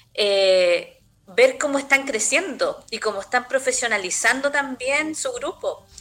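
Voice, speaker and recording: A woman at a high pitch and fairly slow pace, with lively intonation and noticeable background noise. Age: 40s. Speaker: agronomist and regional agency director. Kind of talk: interview.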